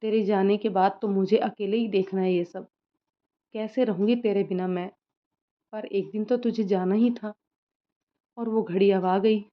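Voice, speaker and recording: A woman's voice: medium pitch, fairly even intonation, a little slow, long pauses, lightly acted. A woman voicing a loving, emotional middle-aged mother in a storybook, in a soothing, tender manner. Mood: wistful. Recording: slightly muffled lo-fi recording.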